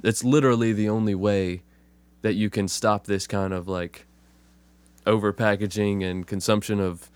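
A hoarse, low-voiced man talks in a laid-back, easy way. He has a cold, and his voice comes out rough. The recording is close and dry. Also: steady tone, normal speed, darkish tone, dry recording. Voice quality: rough, smoker-like voice. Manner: laid-back, swears casually, says "man" a lot. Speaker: podcast co-host. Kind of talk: casual chat.

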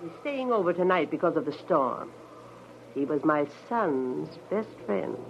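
Bereaved, fatalistic older-generation mother, very expressive intonation, quietly probing, dull vintage radio sound. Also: low-pitched, measured pace, gravelly, full character voice. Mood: politely hospitable. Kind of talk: 1940s radio drama acting. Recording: muffled old radio recording, faint noise.

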